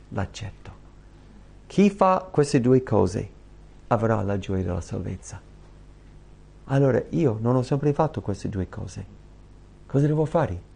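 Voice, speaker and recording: Gravelly-voiced male preacher. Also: medium pitch, warm tone. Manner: earnest, emphatic, repeats key phrases. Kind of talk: sermon ending in prayer.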